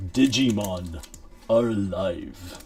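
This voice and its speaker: This is a put-on character voice. It sits at a low pitch. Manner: strained, forced.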